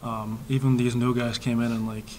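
A man's voice: mid-range voice, level tone, moderate pace, a little mellow, a little hiss or hum. A young man in his twenties, a college basketball player at a post-game press conference, talking casually with many fillers like "like". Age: 20s. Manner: casual, lots of "like", upbeat. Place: press room before a sponsor backdrop. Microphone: table mic in front of him.

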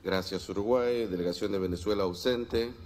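A man's voice: on the low side, moderate pace, darkish tone. A man speaking formally and courteously as chair, calling out a roll-call vote in procedural announcements. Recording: noisy assembly room sound in played video.

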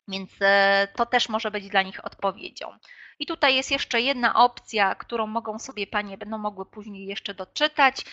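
Bright-voiced woman leading an online workshop. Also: on the high side. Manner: hesitant, many filler sounds. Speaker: teacher trainer. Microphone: video call. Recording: dull lo-fi online call audio.

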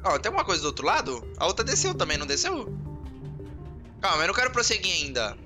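A gamer with a Brazilian Portuguese accent delivers excitable let's play commentary in a high voice, talking fast. He swears a lot and talks both to himself and his viewers over loud game music.

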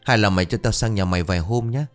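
A man's voice: on the low side, fast, faint music behind, close to an everyday voice. A man voicing a panicky, bumbling young husband who blusters when he is flustered, lifting his voice a little above his own in a told ghost story. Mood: sheepish.

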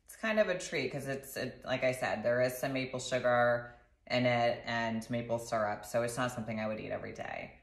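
A woman in her thirties casually walking through a recipe in her home kitchen, chatty and relaxed, filmed by a camera across the counter. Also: rumbling low, brisk. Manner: relaxed, chatty instructions with fillers. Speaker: doctor sharing recipes. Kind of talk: casual cooking demonstration. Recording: echoey kitchen, slightly distant.

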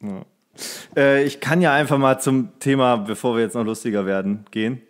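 A man's voice: medium pitch, normal speed. Young man chatting in rambling, joking style. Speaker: podcast co-host. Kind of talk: casual banter, storytelling.

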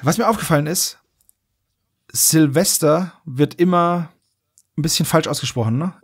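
Guy podcast host, voice a bit on the high side, casual joky recap chat. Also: normal speed, husky.

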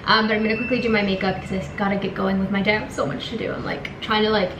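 A woman's voice: medium pitch, flat delivery, rapid-fire. Young woman, lifestyle vlogger, casual chat to camera, filler-heavy, echoey room, faint hiss. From Venezuela. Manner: chatty, lots of ums and likes, upbeat. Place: bright apartment room, indoors. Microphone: camera in front at desk.

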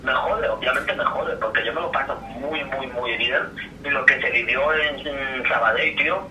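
A man's voice: medium pitch, moderate pace, pushed and bright, far from the mic. A man with an accent from Spain, speaking casually over a phone speaker, earnest, apologetic and rambling. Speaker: recipient of a phone call. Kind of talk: casual, emotional phone conversation. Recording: tinny roomy phone speaker, slight noise.

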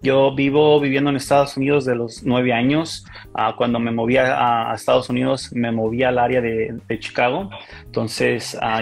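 A man with a Mexican accent, talking as an interview guest over a video call and pausing often on fillers and restarts. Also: mid-range voice, gravelly. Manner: hesitant, many fillers and restarts. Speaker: interview guest, micropigmentation artist. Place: small indoor room.

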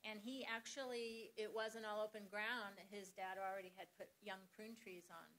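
A woman's voice: medium pitch, fairly even intonation, normal speed, fairly bright tone, a little hiss or hum. A woman presenting slides at a farm workshop, talking conversationally with many fillers and restarts.

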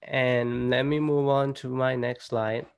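Slow gravelly young man with a Nepali accent. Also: mid-range voice, little pitch movement. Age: young adult. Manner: halting, with frequent fillers and restarts. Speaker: student ambassador presenter. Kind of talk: casual online presentation. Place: indoor room at home. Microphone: laptop webcam on a video call.

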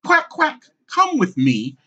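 Storybook mother duck, put on by a narrator: tired, fussy and proud, pitched up, swooping and unhurried. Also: huge pitch swings, bright, forceful tone, highs cut off, heavily acted. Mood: proud, motherly.

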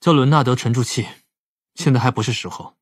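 A man playing a calm, analytical detective in his twenties in an audiobook drama, speaking in a measured, explanatory way. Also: medium pitch, no echo, clean studio sound, natural voice. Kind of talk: Mandarin audiobook drama acting.

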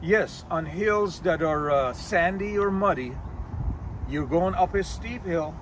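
This older man is a master diagnostic technician, and he lays out car features one step at a time in a plain, methodical manner with small mistakes. He speaks slowly in a high-sitting voice against a noisy background. The setting moves from a dealership's outdoor parking lot to inside a car.

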